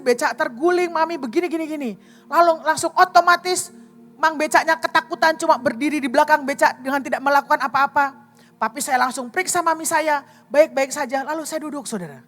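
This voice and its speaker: A woman evangelist preaching a sermon in a lively, conversational way, telling a personal story and often addressing the congregation directly with tag questions and dramatic pauses. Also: sits high, soft background music. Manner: animated, addresses listeners as brothers and sisters.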